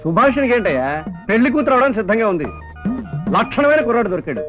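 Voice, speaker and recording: A man in a film scene, teasing and full of wordplay, giving lines in quick comic dialogue. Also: extremely high pitch, big pitch swings. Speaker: scheming elderly guardian in a comedy film. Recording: dull lo-fi film audio with music.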